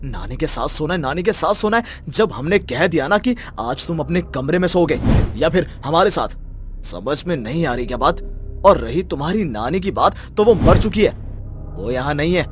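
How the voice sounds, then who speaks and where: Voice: medium pitch, very animated, moderate pace, background noise, natural voice. A performer voicing a stern, impatient father in a cartoon, speaking in a scolding, dismissive way. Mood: angry scolding. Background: background music.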